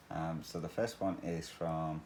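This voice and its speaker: A very deep-voiced man chats while he stitches, in a loose, rambling way. He laughs often and drifts off topic. A faint hiss of noise sits under his voice. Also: darkish tone. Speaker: cross-stitch channel host. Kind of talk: casual chat while stitching.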